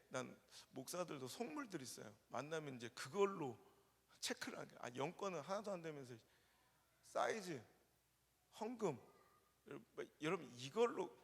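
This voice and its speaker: Gravelly male preacher in a reverberant hall. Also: a little high. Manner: earnest, confessional, bursts into loud playful banter. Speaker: guest revival preacher. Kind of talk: revival sermon. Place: church sanctuary.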